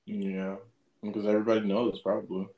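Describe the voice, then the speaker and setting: Echoey voice of a quietly musing viewer. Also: low voice, little pitch movement, a little fast. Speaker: co-host reacting to a show. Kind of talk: casual reaction chat. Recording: roomy echo.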